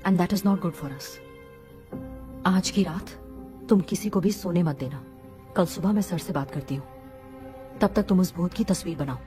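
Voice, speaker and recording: A woman dubbing a calm, reassuring professional woman who drops English words into her talk, in a Hindi film dub. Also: fairly low pitch, unhurried, pauses often, natural voice. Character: composed young professional woman. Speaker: helper working with the doctor. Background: film score music.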